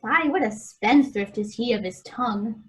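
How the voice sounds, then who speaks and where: Woman as glib teasing nobleman in shakespeare radio play, highish voice, quippy and jeering. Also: normal speed, close to an everyday voice.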